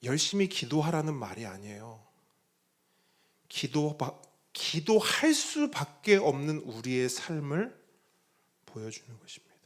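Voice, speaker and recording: A male pastor delivers an emphatic sermon, throwing out questions and answering them himself. His voice sits a little high and moves with lively rises and falls, building to loud, climbing peaks before dropping low and quiet. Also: a little slow, long pauses. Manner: emphatic preaching with rhetorical questions.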